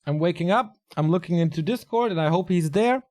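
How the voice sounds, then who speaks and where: A man commentating a strategy game alone, casual and chatty, his voice a little raspy and tired. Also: sits high, brisk, darkish tone. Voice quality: casual, chatty delivery with fillers. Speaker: esports caster.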